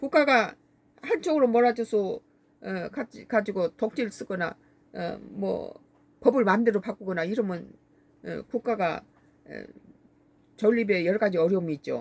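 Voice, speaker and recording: With a Jeolla accent, a woman speaks at a moderate pace and medium pitch, using lively intonation, vocal fry, big swings in loudness, and long, frequent pauses. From Honam (Jeolla), South Korea. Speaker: political commentator YouTuber. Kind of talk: political commentary monologue. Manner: halting, many fillers.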